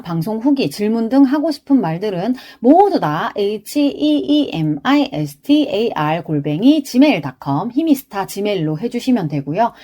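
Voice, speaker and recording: A young woman hosting her own podcast, chatting casually and quickly with the listeners. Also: medium pitch. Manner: chatty, lively, talks fast and quick to laugh. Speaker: podcast host. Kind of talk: casual solo podcast chat.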